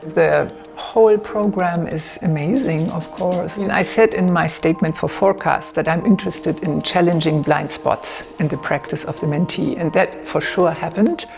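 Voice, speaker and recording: Mentor lady, gravelly low voice, measured, loud-ish music.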